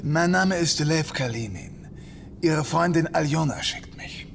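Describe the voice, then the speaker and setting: An actor playing a courteous, probing young police inspector in a sci-fi audio drama, speaking formally with a husky voice. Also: male voice, a little high, unhurried, a little hiss or hum. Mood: polite, businesslike. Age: young adult.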